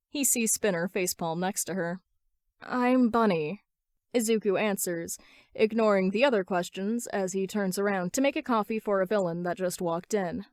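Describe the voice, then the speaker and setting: A woman's voice: mid-range voice, darkish tone, no echo, clean studio sound. A woman reading scripted fan fiction as an amateur story narrator.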